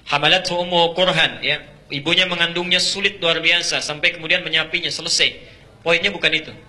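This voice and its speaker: A middle-aged man preaching a sermon, swinging from loud, stretched recitation to soft, hushed storytelling. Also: on the high side.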